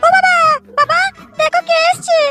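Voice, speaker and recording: A woman's voice: very high-pitched, flat delivery, normal speed, bright, forceful tone, no echo, faint music behind. A woman playing a dutiful, homely married daughter in a comedy cartoon, plain-spoken. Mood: welcoming.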